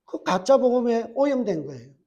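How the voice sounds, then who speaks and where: High-voiced male pastor preaching. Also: very animated, normal speed, dark tone, muffled recording. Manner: asks the congregation rhetorical questions and answers them; emphatic preaching with repeated phrases. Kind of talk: sermon. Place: church service.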